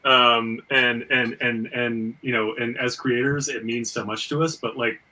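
Man, podcast host, forceful bright voice, stammering repetitions, casual swearing, slightly distant mic. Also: mid-range voice, flat delivery, unhurried.

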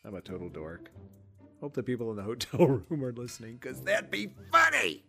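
A man's voice: medium pitch, huge pitch swings, moderate pace, gravelly, pushed and bright, soft background music. A man voice actor clowning around between lines in a recording session.

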